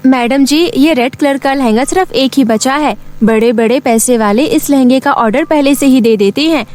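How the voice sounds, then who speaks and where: Woman voicing a high-pitched, polite young shop girl. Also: moderate pace, a little mellow, faint music behind, natural voice. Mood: persuasive.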